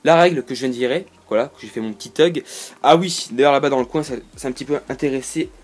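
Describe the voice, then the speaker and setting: A young man talks his way around his bedroom in a loose, rambling room-tour vlog, full of fillers, restarts and offhand jokes. He speaks at a mid pitch, picked up by a camera standing on a tripod in the room. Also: quick pace. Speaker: YouTuber.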